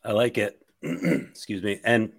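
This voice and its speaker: A man in his late forties hosts a casual podcast interview, encouraging his guest and laughing easily. His voice sits a little lower than most men's. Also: steady tone, slow pace. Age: 40s. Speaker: podcast host.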